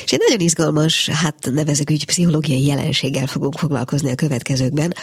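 A woman radio host speaks into a studio microphone with a gravelly, husky voice. She reads a short story in a measured, expressive way, and the sound is close and dry. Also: low-pitched, no room sound. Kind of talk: literary story reading and radio presenting.

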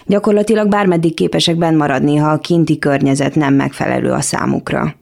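A woman reading the part of a slightly mad male doctor who speaks slowly and softly coaxes. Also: low voice, steady tone, vocal fry. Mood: soothing.

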